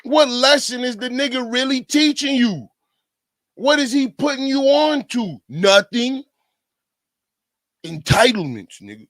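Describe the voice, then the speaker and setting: Slow, high-voiced ranting man. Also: expressive, fairly bright tone, dry recording, rough recording. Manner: incredulous, profane ranting. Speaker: commentator. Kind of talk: reaction commentary.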